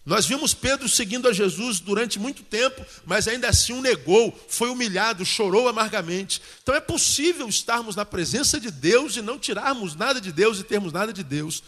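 High-pitched pastor preaching in a hall. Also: male voice, a little fast, few pauses. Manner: colloquial, animated preaching with repeated questions to the congregation. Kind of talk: sermon. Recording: long hall reverb.

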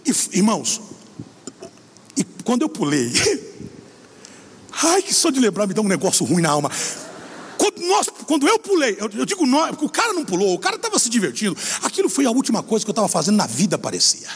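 A middle-aged man preaching a sermon, telling a story with lively acted-out dialogue. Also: high-pitched, brisk, long pauses, husky. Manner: animated storytelling, acts out dialogue. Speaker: pastor. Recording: long hall reverb.

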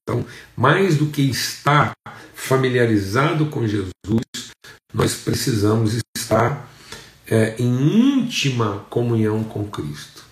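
A Brazilian man preaching a sermon as pastor, with repeated phrases and emphatic rises in pitch. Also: expressive, takes it slowly, echoey room. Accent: Brazilian Portuguese.

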